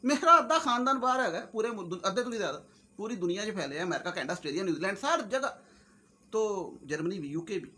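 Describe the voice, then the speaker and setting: A man with a very high, bright, forceful voice and a Punjabi accent talks casually to his viewers. He rambles in a joking way, slipping between Urdu, Punjabi and English. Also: expressive, quick pace. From Pakistan. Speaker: YouTuber host. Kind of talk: casual comic-motivational monologue.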